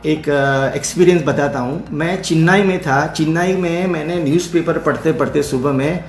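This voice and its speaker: A middle-aged man from India speaks, hosting a live talk in a halting way, full of fillers, restarts and English phrases. His voice sits a little high. The room echoes around him, with faint music underneath. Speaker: theatre producer and session host.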